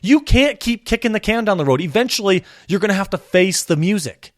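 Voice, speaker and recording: A man hosting his own podcast, talking with impassioned energy, his voice a little hoarse from a cold. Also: lively intonation, fairly quick, no room sound, studio quality. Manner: impassioned ranting, pitch climbing when worked up. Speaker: podcast host. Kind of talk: solo podcast commentary.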